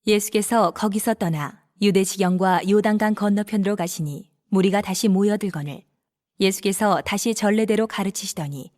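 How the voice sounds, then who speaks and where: A woman narrates scripture in a steady, formal reading voice. Her pitch sits in the middle of the female range. A long hall reverb follows her words. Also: normal speed. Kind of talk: dramatized Bible reading narration.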